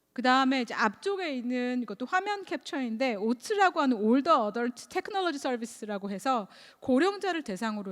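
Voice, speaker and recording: Her pitch is high, with very wide swings. The woman keeps a moderate pace. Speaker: insurance researcher presenting at forum. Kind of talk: conference presentation.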